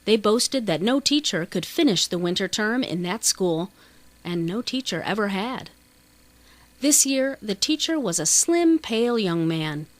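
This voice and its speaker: A woman's voice: medium pitch, expressive, a little slow. A woman reading a children's novel as scripted audiobook narration.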